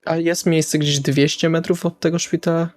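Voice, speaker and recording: A man's voice: a little high, little pitch movement, normal speed, dry recording. A man playing in a tabletop roleplaying game, speaking casually as his character.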